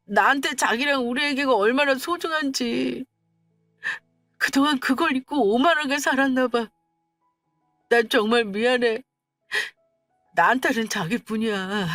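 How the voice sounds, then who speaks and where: Woman playing a self-excusing young husband, wheedling and pleading, fairly high voice, dry close sound. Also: measured pace, long pauses, fairly bright tone, no echo, soft background music.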